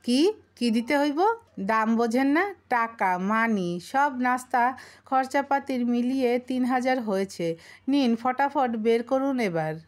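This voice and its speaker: A woman's voice: a little high, animated, slow pace. A woman voicing a brash, bossy young woman who mixes English words into her speech. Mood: cocky.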